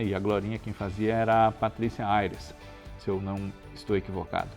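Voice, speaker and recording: A man delivers his words at a fairly quick speed, with music playing behind him. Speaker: TV history presenter. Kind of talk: casual talk to camera.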